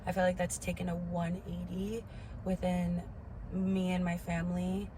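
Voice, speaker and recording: A woman's voice: on the low side, little pitch movement, measured pace, noisy background. A woman in her twenties giving a candid personal talk to camera, stressing points emphatically by repeating words. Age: 20s. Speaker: vlogger.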